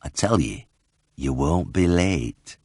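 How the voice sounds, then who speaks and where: A man voicing a slow-drawling old Yorkshire farmer with an unhurried, lazy manner. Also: a bass voice, very animated, breathy edge, dry recording, clean studio sound, pitched below the performer's own voice, exaggerated voice. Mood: laconic.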